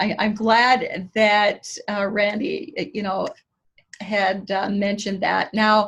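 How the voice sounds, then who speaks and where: A woman with a fairly high pitch talks at a fairly slow pace, sounding somewhat breathy. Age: 60s. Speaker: nail technician and network marketer. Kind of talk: interview on a training call. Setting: conference call.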